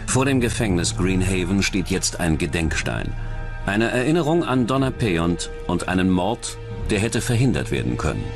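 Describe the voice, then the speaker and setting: Low voiced guy narrating true crime doc, lively intonation, music underneath. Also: normal speed. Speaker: documentary narrator. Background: background music.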